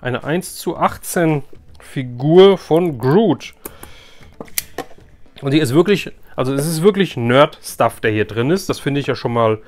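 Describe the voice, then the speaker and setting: A man's voice: on the high side, expressive, unhurried, darkish tone, faint music behind. A man doing a casual unboxing commentary for viewers, thinking aloud informally and giving frank opinions. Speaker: YouTube host unboxing products.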